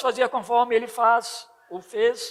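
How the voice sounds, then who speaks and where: With a bright, sharp tone, this man speaks in a raised, projected voice. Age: 80s+. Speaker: pastor. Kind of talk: sermon.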